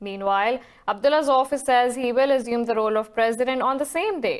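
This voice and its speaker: With ordinary pitch variation, the woman talks at a fairly quick pace. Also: quiet background. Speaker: news anchor. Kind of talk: news reading. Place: studio.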